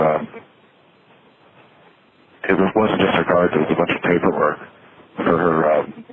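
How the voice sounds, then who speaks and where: A man giving a halting, reflective, confessional monologue on a payphone call from a city street, over a noisy line. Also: low-pitched. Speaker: solo caller recording monologues from payphones.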